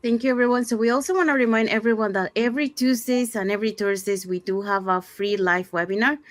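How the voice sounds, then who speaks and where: A woman's voice: on the high side, fast talker, dry recording. Woman host, dry close sound. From Panama. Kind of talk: scripted promotional talk.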